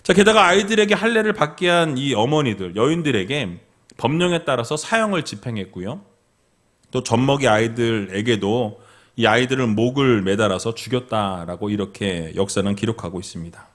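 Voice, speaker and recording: A man's voice: medium pitch, lively intonation, moderate pace, fairly bright tone. A middle-aged male pastor preaching a sermon, addressing the congregation directly and earnestly with rhetorical questions.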